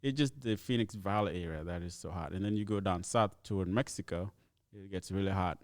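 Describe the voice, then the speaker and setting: A man's voice: deep voice, brisk, darkish tone, no echo, studio quality. A young man from Ethiopia, chatting easily as a comedian guest on a podcast and laughing often. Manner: easygoing storyteller, laughs often. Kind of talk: casual podcast chat.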